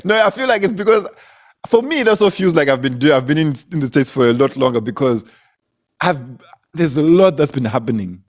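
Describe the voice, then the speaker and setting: Lively storytelling man, from Zimbabwe. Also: fairly high pitch, a little fast. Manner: animated storytelling, laughs often, repeats words. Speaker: comedian, guest. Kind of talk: casual conversation.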